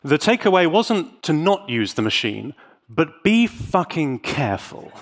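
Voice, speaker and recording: Animated British man giving a talk. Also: fairly high pitch. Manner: theatrical, emphatic delivery with dramatic pauses; wry, tongue-in-cheek. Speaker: conference speaker. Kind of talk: scripted tech talk with dry comedy.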